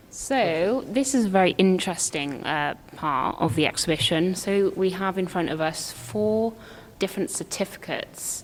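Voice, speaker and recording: A woman with a Welsh accent, medium pitch, lively intonation and a moderate pace. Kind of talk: casual chat.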